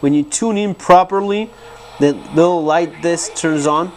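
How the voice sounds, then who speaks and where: Higher-pitched man giving a casual, halting demo. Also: slight background noise. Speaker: survivalism video host. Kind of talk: casual product demonstration talk.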